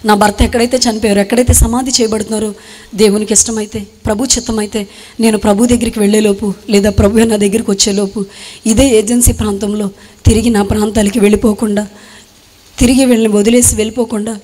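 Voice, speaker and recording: A young woman gives an emotional Christian testimony as a widow, retelling events earnestly in short, halting phrases. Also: mid-range voice, level tone, mellow. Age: young adult. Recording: long hall reverb.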